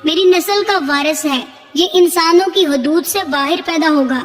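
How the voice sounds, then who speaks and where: A woman's voice: very high voice, faint music behind. A woman voicing a possessive, menacing male jinn chieftain in a spoken story, sweet-talking or harsh by turns. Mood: furious. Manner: sweet-talking, turning to angry shouts.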